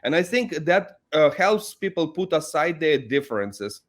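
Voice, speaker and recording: A man from Ukraine whose first language is Russian, a professor answering interview questions in English. He speaks in a deliberate, earnest way, often restarting phrases and adding "you know". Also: fairly high pitch, big pitch swings.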